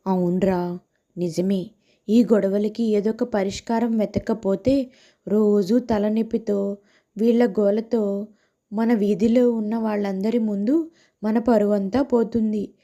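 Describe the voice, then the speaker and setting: A woman's voice: mid-range voice, steady tone, slow pace, long pauses, mellow, muffled recording, voice pushed down. A woman voicing a grown man, a worried husband who earnestly agrees with his friend, in a cartoon story.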